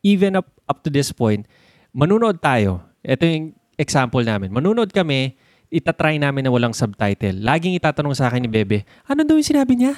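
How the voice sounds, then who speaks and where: A young Filipino man talks casually about movies and mixes English into his speech. His pitch sits in the middle, and he explains eagerly with vivid examples. The recording is dry and close to the mic, with no room sound. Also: expressive, fairly quick, no room sound. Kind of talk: casual chat about films.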